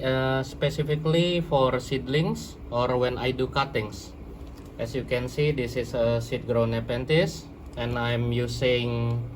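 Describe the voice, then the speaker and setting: A man with an Indonesian accent, a native Indonesian speaker, hosting an instructional vlog, explaining slowly and sometimes searching for words. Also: medium pitch, noisy background. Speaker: plant grower and channel host.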